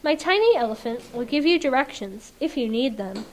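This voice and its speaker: A woman's voice: sits high, animated, brisk. A woman reading a children's story aloud as a volunteer. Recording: slightly noisy live room recording.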